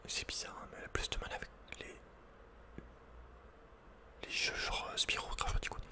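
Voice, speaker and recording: A man whispering casual, slangy, playful game commentary in a breathy ASMR style, close to the microphone. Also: moderate pace. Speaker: ASMR video game player.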